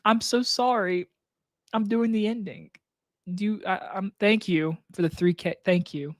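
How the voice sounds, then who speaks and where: A man with a scratchy, hoarse throat hosting a casual live stream Q&A from his desk, talking loosely with plenty of likes and restarts into a microphone on a boom arm. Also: unhurried, no echo, studio quality. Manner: loose, rambling talk with many likes and restarts. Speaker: movie reviewer and channel host. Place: home desk setup.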